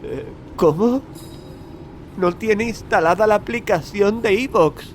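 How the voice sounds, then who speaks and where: An actor playing a deranged, obsessive patient in an audio drama, frantic and theatrical. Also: male voice, sits high, slow, a little hiss or hum. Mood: gleeful muttering. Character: deranged, obsessive male asylum patient craving horror.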